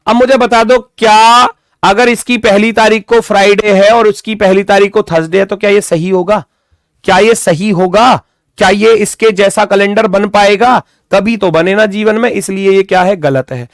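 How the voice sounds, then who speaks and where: A man's voice: sits high, fairly even intonation, normal speed, dry recording, studio quality. A young man teaching a reasoning class for an exam, who scolds his students with sarcasm and counts through calculations aloud. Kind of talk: online exam-prep lecture.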